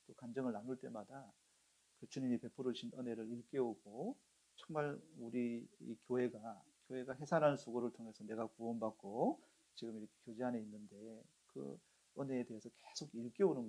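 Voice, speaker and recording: Telling stories and quizzing his congregation, this middle-aged pastor acts out the quotes in his sermon. His mid-range voice is mellow and slightly rough.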